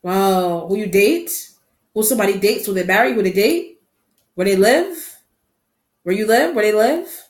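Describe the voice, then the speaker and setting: A woman giving a tarot card reading to her viewers. She talks in a musing, halting way, repeats her phrases and often breaks off to exclaim. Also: medium pitch, expressive. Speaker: tarot reader. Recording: echoey room.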